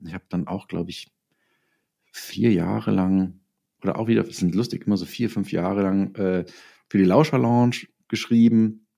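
A man's voice: low-pitched, steady tone, moderate pace, vocal fry, mellow. A man recounting anecdotes in a conversational interview, often acting out bits of dialogue. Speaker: interview guest, writer and audio drama producer.

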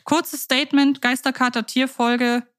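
A woman's voice: sits high, level tone, unhurried, a bit bright, clean tone. German lady podcast host, chatty and playful, rambles a bit. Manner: chatty, playful, long winding sentences. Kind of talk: casual podcast chat.

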